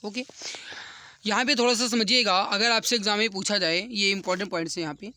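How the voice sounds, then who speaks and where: Guy coaching exam quiz questions, high sharp voice, repeats answers, dry sound. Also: no room sound. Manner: repeats key answers and points for emphasis. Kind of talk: explanatory quiz lesson for exam students.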